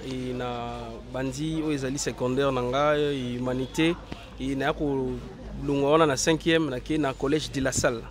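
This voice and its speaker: Young man, hoarse from a cold, halting, lots of fillers, outdoor interview. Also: mid-range voice. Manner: hesitant, many fillers and restarts. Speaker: interview guest, actor. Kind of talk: casual interview, mixing French and Lingala.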